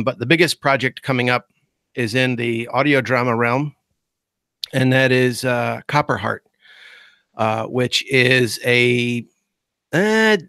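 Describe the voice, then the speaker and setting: A man's voice: mid-range voice, bright, forceful tone, smooth, no room sound. A man talking casually on a video call as a guest host, rambling with fillers and restarts. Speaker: guest host, podcast creator.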